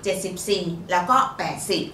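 On a fortune-telling show, the woman co-hosting as fortune teller gives lottery tips in a casual, polite, chatty way, peppered with particles. Her voice is pushed and bright and a little fast. It was recorded in a roomy space from a distant mic, with faint noise.

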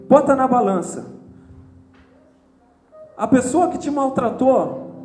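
A male preacher delivers a lively sermon, his voice sitting high for a man. He acts out the voices of churchgoers as he speaks. The church is roomy and echoing, with soft music underneath.

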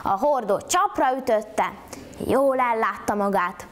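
A woman reciting a folk tale at a storytelling contest, in an animated, rhythmic style. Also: fairly high pitch. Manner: animated, rhythmic rhyming delivery.

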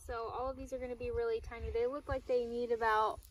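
A young woman vlogging as she does farm chores outdoors, chatting casually with the camera and softly cooing at the animals. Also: a little high, flat delivery, quick pace, a little hiss or hum. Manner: chatty, talks to the animals in a soft baby voice. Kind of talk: casual chat. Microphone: phone camera, often held at arm's length. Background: farm animals and outdoor ambience.

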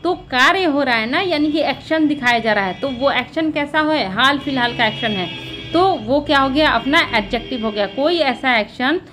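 A woman's voice: high voice, animated, normal speed, over music. A woman teacher explaining English newspaper editorial vocabulary and grammar, often asking a question and answering it herself. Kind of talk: editorial analysis lesson.

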